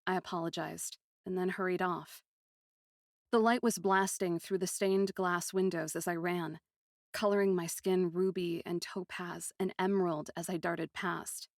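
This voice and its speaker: A woman narrating first-person fiction dramatically, with a deliberate, poetic, often hushed delivery. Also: lowish voice, no echo, studio quality. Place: close, dry recording.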